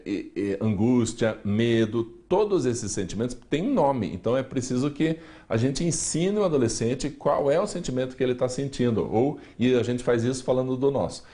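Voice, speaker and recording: Man explaining calmly on a TV show. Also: mid-range voice. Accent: Brazilian Portuguese. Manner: calm explanatory, acts out parents' lines. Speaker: weekly columnist on parenting.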